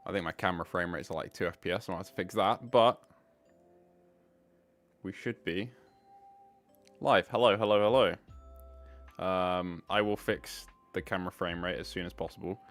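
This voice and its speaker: Male streamer, low clear voice, loose rambling chat over faint music. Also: normal speed, long pauses, a bit bright. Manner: rambling, fixing tech while talking. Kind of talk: casual live stream chat.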